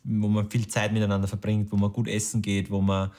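A thirty-year-old man, talking in a relaxed, plain way in an interview at home. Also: fairly low pitch, fairly quick. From Lower Austria. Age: 30s. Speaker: dating show candidate. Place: home kitchen.

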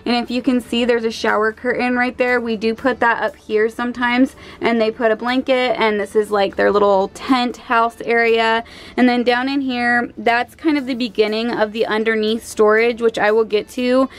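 A young woman and mother giving a relaxed, chatty vlog narration while showing things around her small home. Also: on the high side, moderate pace. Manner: chatty, relaxed, explaining as she shows things. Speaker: vlogger, mother of three girls. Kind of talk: casual organizing vlog narration.

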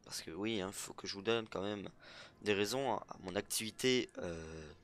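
Un homme qui commente sa partie de jeu de stratégie sur un ton décontracté, en hésitant beaucoup avec des « euh ». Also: male voice, lowish voice, normal speed, fairly bright tone. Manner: hesitant, full of euh fillers. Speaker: gaming YouTuber. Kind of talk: casual let's play commentary.

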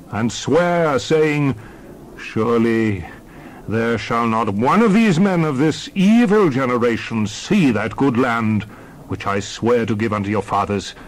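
A man's voice: medium pitch, a little hiss or hum, rough recording. A man playing a solemn prophet addressing his people, grave and oratorical, in a dramatized scripture reading.

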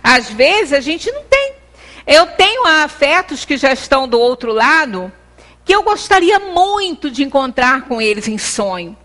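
A middle-aged Brazilian woman speaks to a small audience with a high, bright voice. She is earnest and halting, breaking off and restarting her phrases. The sound comes from a camera across an indoor meeting room. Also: very animated. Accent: Brazilian Portuguese. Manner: earnest, gesturing, many pauses and restarts. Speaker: lecturer at a spiritist center. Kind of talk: devotional talk. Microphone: far camera.

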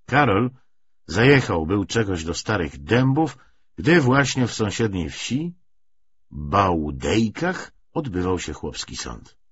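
Male audiobook narrator, husky, lively intonation, scripted literary reading, slightly muffled recording. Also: lowish voice, takes it slowly, slight background noise.

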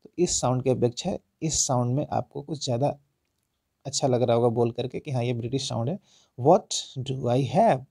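A man with an Indian accent, teaching English pronunciation in a lesson. His voice is low in brightness and mellow, with some gravelly fry, and it sounds dry and close to the mic. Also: fairly even intonation, dry recording. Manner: explains slowly, then reads example sentences word by word with stress. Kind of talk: spoken English lesson in Hindi.

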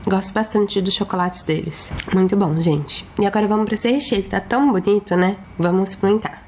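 A woman's voice: mid-range voice, brisk, darkish tone, a little hiss or hum. A Brazilian woman reviewing food on her vlog in a chatty, enthusiastic way, talking with her mouth full while chewing. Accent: Brazilian Portuguese. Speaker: food vlogger. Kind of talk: casual product review.

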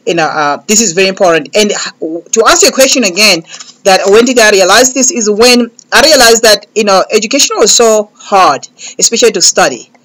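A man's voice: high-pitched, animated, a little fast, sharp tone, low-quality recording. A young adult man from Malawi and South Africa, a comedian guest in a radio studio interview, rambling and repeating fillers as he tells comic stories into a close studio mic. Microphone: large studio mic close above.

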